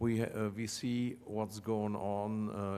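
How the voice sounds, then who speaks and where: This man talks at a very slow pace in a German accent. His pitch is fairly low. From Germany. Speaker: panel moderator. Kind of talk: panel discussion moderation. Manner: halting, many fillers.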